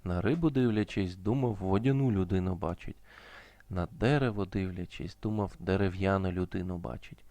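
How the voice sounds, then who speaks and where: A man narrating a folk fairy tale as a storyteller, in a measured, rhythmic way. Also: low-pitched, mellow, dry recording.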